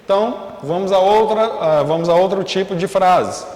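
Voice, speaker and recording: A man's voice: sits high, moderate pace, a little mellow. A man teaching a recorded online grammar class, peppering his explanation with hesitant fillers and frequent check-ins asking if students follow. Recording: echoey room with long reverb.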